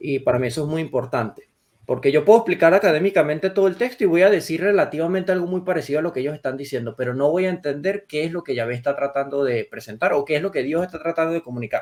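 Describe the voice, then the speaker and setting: This man talks at a very fast pace with lively intonation. His pitch sits fairly high. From Venezuela. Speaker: Bible scholar and teacher. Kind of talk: casual theological discussion.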